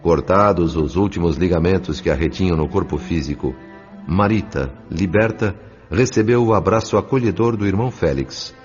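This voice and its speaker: Low voiced guy narrating a drama audiobook, solemn, bit muffled, music behind. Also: a little mellow. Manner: solemn, measured. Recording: dull sound with music underneath.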